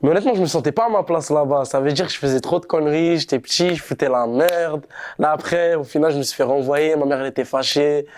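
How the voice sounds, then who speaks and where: A young man from Montreal, a rapper, talking casually in a relaxed, slangy street manner during an interview. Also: on the high side, fast. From Montreal, Canada. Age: young adult. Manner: laid-back, slangy street talk.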